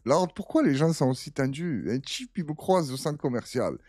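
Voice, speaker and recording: A man hosting a reaction video, telling stories in an animated, slangy, joking way. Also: a little high, moderate pace, no echo, studio quality, faint music behind. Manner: animated storyteller, slangy, laughing. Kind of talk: casual reaction commentary.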